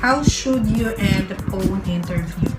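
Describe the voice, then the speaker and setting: A woman's voice: medium pitch, unhurried. Filipino woman vlogger in an echoey room. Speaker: vlog host interviewing a guest. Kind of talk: casual chat, mixing Tagalog and English. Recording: roomy echo, loud music behind. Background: loud background music.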